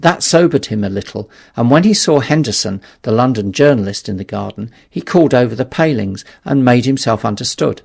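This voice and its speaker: Male narrator for a classic novel: creaky, rough-edged voice, mid-pitched, measured and dramatic delivery. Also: lively intonation, a little mellow. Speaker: audiobook narrator. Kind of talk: scripted literary narration.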